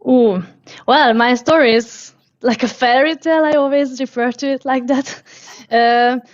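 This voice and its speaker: A woman's voice: high-pitched, a little slow, no room sound, dull audio. A woman from Hungary, a guest in an interview, talking casually with lots of fillers, restarts and laughs. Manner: hesitant, many fillers and restarts, laughs often.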